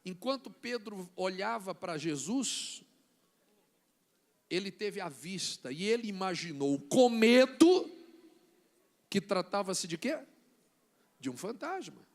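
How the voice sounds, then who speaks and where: High-voiced Brazilian preacher. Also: male voice, slow, long pauses. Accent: Brazilian Portuguese. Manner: animated preaching, acting out little scenes, rising to shouts. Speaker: bishop preaching. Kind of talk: sermon.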